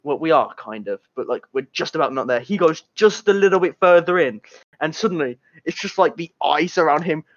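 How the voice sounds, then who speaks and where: A man's voice: a little high, brisk, dry recording, dull audio. A man chatting casually as a podcast co-host, telling stories in a hesitant, rambling way with asides. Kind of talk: casual chat and storytelling.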